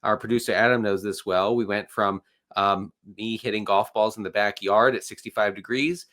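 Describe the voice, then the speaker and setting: A man's voice: on the low side, steady tone, normal speed, fairly bright tone. Congested man with dry humor. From Washington, D.C. area. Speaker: podcast co-host. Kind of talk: casual sports chat.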